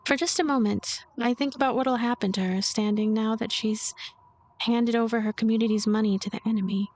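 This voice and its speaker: A woman's voice: a little high, fairly even intonation, brisk, a little mellow. A woman doing a voiced let's play, narrating a story game aloud with casual commentary. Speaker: let's player reading game text aloud.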